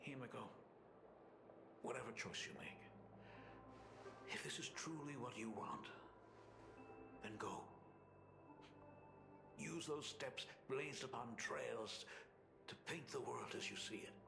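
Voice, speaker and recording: An actor playing a solemn, tender middle-aged father, an artist and academy dean in a video game, with a gravelly, breathy, measured and softly spoken voice. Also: medium pitch. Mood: tender, earnest. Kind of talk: dramatic game voice acting. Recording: slightly reverberant, music underneath. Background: background music.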